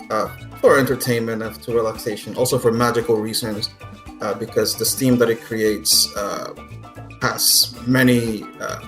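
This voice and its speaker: A man's voice: mid-range voice, a bit bright. Man game master in a roomy recording. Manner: conversational, halting descriptions with casual asides. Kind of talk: improvised narration of a tabletop game. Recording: roomy echo, music underneath.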